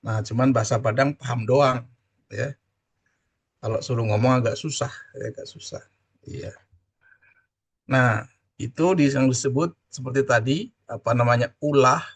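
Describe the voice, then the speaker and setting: Casting: middle-aged lecturer, husky gravelly voice, talks students through a video-call class with steady "ya?" checks. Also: male voice, mid-range voice. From Java. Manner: drawn-out explaining with constant "ya" tag questions. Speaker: university lecturer.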